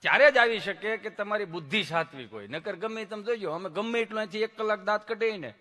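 High bright-voiced folk comedian on stage. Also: male voice, fast talker. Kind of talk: stage folk humor storytelling. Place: stage before a seated audience.

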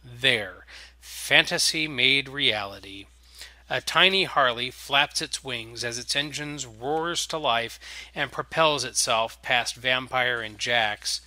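A man's voice: medium pitch, takes it slowly, pushed and bright, no echo. A man reading scripted story narration in a theatrical manner.

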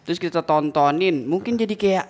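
A man's voice: fairly high pitch, a little fast, a little mellow, a little hiss or hum. A young man with a Betawi accent, a comedian chatting as a guest. He talks bluntly and chattily and laughs easily. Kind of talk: casual chat.

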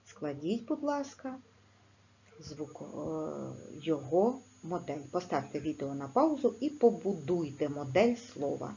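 Slow, patient Ukrainian schoolteacher woman. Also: sits low, big pitch swings, mellow. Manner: slow, clear, instructive dictation. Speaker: primary school teacher. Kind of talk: video lesson for schoolchildren. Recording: slightly dull, faint background noise.

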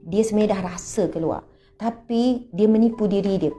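A middle-aged woman with a Malaysian Malay accent gives a lively, conversational religious lecture full of rhetorical questions. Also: mid-range voice, normal speed. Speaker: religious teacher.

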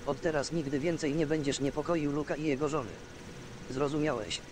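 A man's voice: on the high side, fairly even intonation, fairly quick, lightly acted. Guy doing bold young fighter hero from a video game, blunt talk, noisy background. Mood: commanding. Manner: blunt, challenging. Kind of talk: dubbed fantasy video game acting. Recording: game audio with clear ambient noise.

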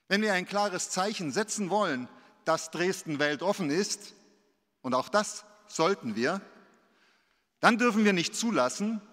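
A man in his fifties delivers a measured, earnest speech into a lectern microphone, his voice sitting a touch higher than most men's. The long reverb of a big council hall trails each phrase. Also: a bit bright. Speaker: invited business speaker. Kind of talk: formal speech to a city council. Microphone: lectern gooseneck microphone.

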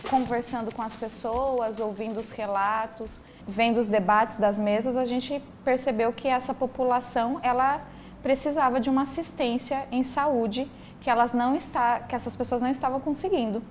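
A woman's voice: fairly high pitch, fairly even intonation, moderate pace, soft background music. A woman professor speaking earnestly in an interview.

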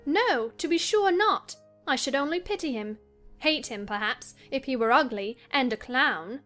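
A woman playing a willful, troubled young gentlewoman in a dramatized audiobook, earnest and dramatic. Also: high-pitched, animated, measured pace, voice pushed up. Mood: stubborn. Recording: music under the voice.

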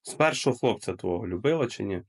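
A man's voice: on the low side, lively intonation, fast, slightly rough. Questioning Ukrainian-accented man streaming. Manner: probing questions, terse acknowledgements. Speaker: streamer, host. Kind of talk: casual chat. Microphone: video call.

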